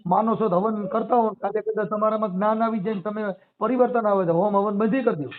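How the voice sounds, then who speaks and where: On a muffled, narrow-band phone line, a man with a Saurashtra Gujarati accent speaks fast in a high, fairly even voice. He lays out his views emphatically in colloquial speech, throwing in rhetorical questions.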